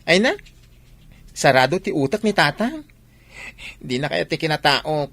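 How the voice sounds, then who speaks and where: A woman's voice: low-pitched, big pitch swings, unhurried, fairly bright tone, no echo, heavily acted. A woman playing a put-upon, wistful gay male cousin in a village comedy radio drama, with a plaintive, complaining manner.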